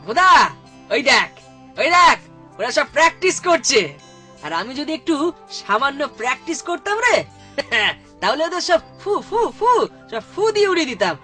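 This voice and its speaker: A woman's voice: high-pitched, moderate pace, exaggerated voice. Woman voicing a bragging cartoon boy prankster. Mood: boastful. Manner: bragging, giggly, excitable. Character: boastful mischievous young boy prankster. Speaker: cartoon character. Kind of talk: cartoon voice acting. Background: background music.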